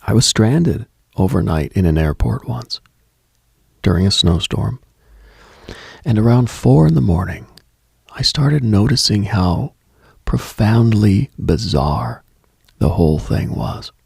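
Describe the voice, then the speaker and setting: Close on the mic, a man hosts a late-night mystical radio monologue in a hushed, husky, breathy, gravelly low voice. He's deliberate and brooding, pausing often, yet his delivery has a sing-song lilt, with no room sound.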